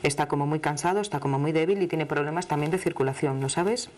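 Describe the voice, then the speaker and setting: A woman's voice: sits low, quick pace, a little mellow, slight background noise. A middle-aged woman from Asturias with an Asturian accent, giving a live television tarot reading to a caller in an emphatic, familiar, chatty way. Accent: Asturian Spanish. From Asturias, Spain. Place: television studio. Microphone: studio microphone, seated at desk.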